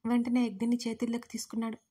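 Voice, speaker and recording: Higher-voiced woman narrating a story. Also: completely flat delivery, very fast, dark tone, husky. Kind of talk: scripted narration of a romance audio story.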